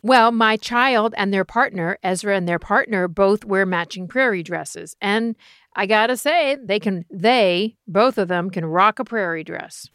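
Animated woman podcast co-host. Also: medium pitch, a little slow, clear, resonant tone, no room sound, studio quality. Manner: animated, laughs often. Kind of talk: casual chat.

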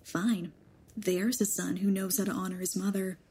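A woman's voice: medium pitch, little pitch movement, moderate pace, mellow, husky. An actress in an audio drama playing a rejuvenated mother in a young woman's body, sardonic and defiant. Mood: bitter, challenging. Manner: sardonic, pointed.

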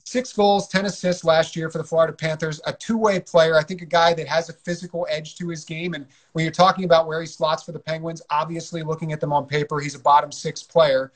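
Host guy on a hockey podcast, kinda high voice, steady and measured. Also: low-quality recording. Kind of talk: casual hockey chat.

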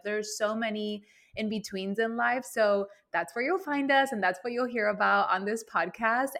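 A woman's voice: medium pitch, a bit bright. Chatty woman podcast co-host, Spanish native. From Venezuela. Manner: upbeat, chatty. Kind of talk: casual chat.

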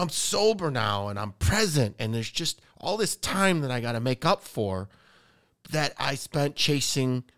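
A deep-voiced man hosting a podcast, an eager, effusive talker in casual chat. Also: a bit bright, smooth. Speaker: podcast host.

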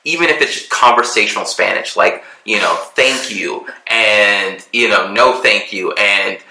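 Texas guy rambling along earnestly, low voice but really bright and forceful, echoey room. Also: measured pace. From Texas, USA. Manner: earnest, rambling, many fillers and restarts. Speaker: vlogger, expat in Mexico. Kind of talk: casual chat. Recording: roomy echo.

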